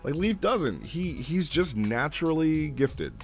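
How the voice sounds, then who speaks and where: A man's voice: on the high side, sing-song, measured pace, vocal fry, soft background music. A man giving a casual, off-the-cuff review as a host, thinking aloud and repeating phrases for emphasis. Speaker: host reviewing a text role-play.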